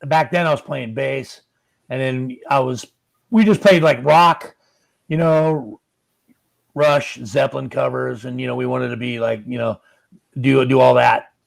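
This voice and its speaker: A man's voice: medium pitch, creaky, no room sound, poor audio. A man in his fifties or older chatting casually as a musician guest, acting out bits of dialogue. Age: 50s or older. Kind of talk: casual chat.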